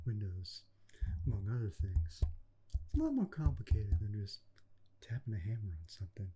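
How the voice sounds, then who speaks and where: A man playing an earnest, kindly video game repairman in a soft-spoken ASMR roleplay, gentle, folksy and unhurried, slipping toward a whisper, close to the microphone. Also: lowish voice, noisy background. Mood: gentle, explaining.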